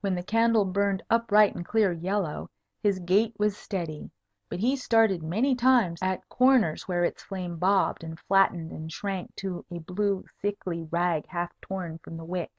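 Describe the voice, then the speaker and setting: A woman's voice: lowish voice, a little slow. A woman reading a humorous tale as a scripted audiobook narration. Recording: dull lo-fi audiobook recording.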